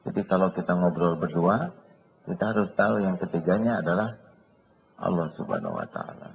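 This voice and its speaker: A low-pitched man preaching a sermon to his congregation, heard through a dull lo-fi recording. He talks in an animated way and slips into quick put-on voices for the people he describes. When he turns to prayer he drops to a soft hush. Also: creaky. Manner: animated, acts out husbands, bosses and debtors in quick voices. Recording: dull lo-fi sound.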